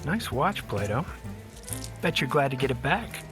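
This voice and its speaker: A prison release officer played by a man in a fiction podcast. He has a medium-pitched voice and a blunt, scolding way of talking. Music runs clearly behind him. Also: very animated, unhurried. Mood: matter-of-fact. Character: gruffly chiding male prison release officer. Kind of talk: audio drama acting.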